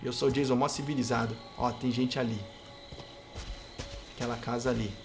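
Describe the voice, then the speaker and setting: A man with a Brazilian Portuguese accent commenting on his gameplay, playful and trash-talking, bursting into excited shouts. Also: medium pitch, normal speed, creaky, soft background music. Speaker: gameplay youtuber.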